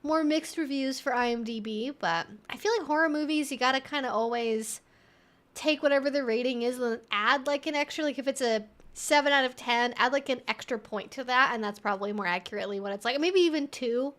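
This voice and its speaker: Young woman, higher-pitched voice, livestream host, casual, chatty, rambling. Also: a little fast, a bit bright. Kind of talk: casual livestream chat, reading and answering viewer comments.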